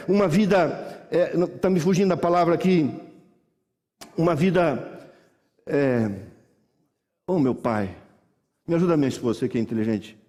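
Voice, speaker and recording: Animated pastor in an echoing church. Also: male voice, high-pitched. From Brazil. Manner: animated folksy storytelling, acts out voices. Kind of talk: sermon. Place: church hall. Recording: reverberant church hall.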